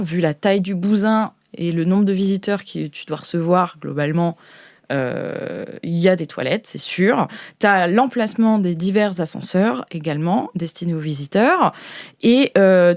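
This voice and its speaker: A woman runs an improvised role-playing game. She feels her way through the narration with playful, slangy phrasing, in a medium-pitched voice. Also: a little mellow. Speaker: game master.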